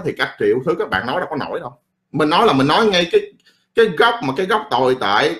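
A middle-aged political commentator rants about politics in a fairly high, bright, forceful voice. His delivery is casual, blunt and profane, and he rambles and repeats himself.

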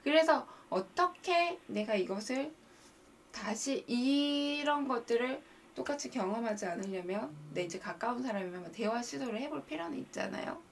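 A woman hosting a live coaching stream, talking straight to her viewers in an animated, emphatic way. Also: fairly high pitch, normal speed, far from the mic, a little hiss or hum. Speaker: mind-training coach and live-stream host.

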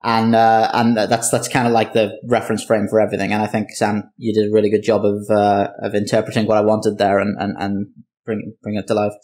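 A man's voice: on the low side, completely flat delivery, a little fast, a little mellow. A man talking casually as a show creator, telling anecdotes in a wry, conversational way. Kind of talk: casual interview chat, anecdotal.

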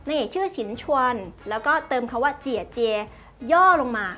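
This language-lesson host is a young woman whose high voice sounds bright; she uses drama clips to teach Chinese, going through each phrase word by word with a friendly, courteous chattiness. She talks fairly quickly and animatedly, with gentle music playing quietly in the background.

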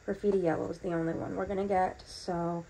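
A vlogger with a fairly low-pitched voice speaks fairly quickly and flatly over background noise. She chats casually while unboxing something at home in her bathroom, rambling with lots of ums, her voice still recovering after being lost.

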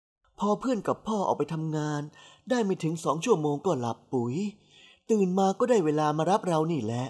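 A woman reading a novel aloud, voicing a calm middle-aged mother with a soft, mildly teasing way of talking. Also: sits low, brisk.

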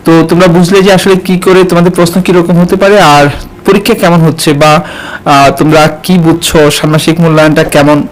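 Man, slightly high voice, tutorial teacher, hesitant fillers, close mic. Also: little pitch movement, brisk, rough recording. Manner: addresses students directly, frequent hesitations. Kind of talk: online exam-prep tutorial.

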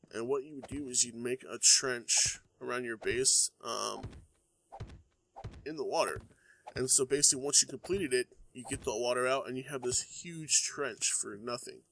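A man's voice: medium pitch, moderate pace, fairly bright tone, slight background noise. A young man with a congested, stuffy voice, chatting casually while playing a building game, full of ums and uhs. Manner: rambling, many ums and uhs. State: congested from a cold. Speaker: gaming YouTuber. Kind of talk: casual let's-play commentary.

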